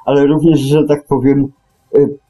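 A man co-hosting a radio talk show, commenting conversationally in a sardonic, deliberate manner. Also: a little high, little pitch movement, mellow, faint music behind, low-quality recording.

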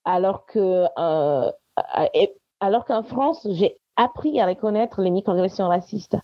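A woman's voice: medium pitch, expressive, a little slow, dry recording. A woman from Italy, speaking French as a podcast guest and sharing personal testimony in conversation. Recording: dry, dull lo-fi sound.

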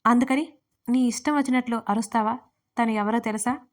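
A woman's voice: a little high, brisk, natural voice. A woman voicing a stern, protective young male boss who speaks seriously and rebukes.

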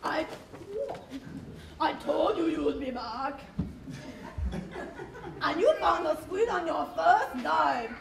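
A woman's voice: high voice, expressive, slow pace, creaky, long pauses, noisy background, heavily acted. A woman voicing laid-back zooplankton, distant. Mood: proud. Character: cool zooplankton leader, slangy. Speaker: puppeteer. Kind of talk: live amateur puppet show. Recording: roomy hall, from far off.

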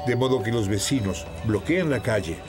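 Calm male documentary narrator over music. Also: lowish voice, normal speed. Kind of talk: scripted narration.

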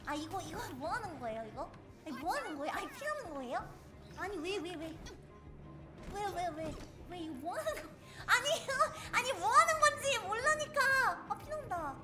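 A woman streamer giving live gameplay commentary, excitably and playfully shouting threats at the game, with game music behind her. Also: very high-pitched, normal speed. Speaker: VTuber streamer.

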